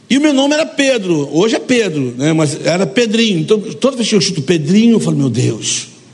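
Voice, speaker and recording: At a moderate pace, a man speaks with very wide pitch swings over noticeable background noise and audible room echo. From Brazil, Rio de Janeiro. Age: 50s. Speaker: missionary. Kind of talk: sermon. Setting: church.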